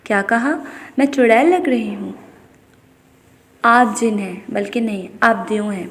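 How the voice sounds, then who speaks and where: A woman's voice: fairly high pitch, long reverb tail, natural voice. A woman voicing a young wife who speaks with trembling, childlike innocence. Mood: indignant.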